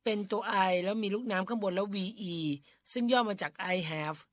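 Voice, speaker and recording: A woman's voice: medium pitch, normal speed, no echo. Playful woman radio host asking questions. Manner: playful, asks questions for listeners. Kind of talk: radio show English lesson.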